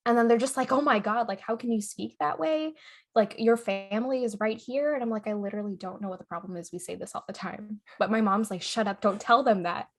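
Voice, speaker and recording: A woman's voice: medium pitch, fairly quick. Chatty young woman, laughing storyteller. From United States. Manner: chatty, laughs easily, filler-heavy storytelling. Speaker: podcast co-host. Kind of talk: casual chat.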